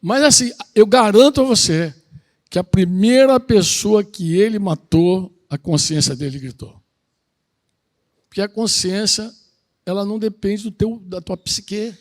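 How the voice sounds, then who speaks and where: A man's voice: high-pitched, a little slow. A middle-aged man, preaching a conversational sermon and asking his congregation questions. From Brazil. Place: outdoor country retreat gathering.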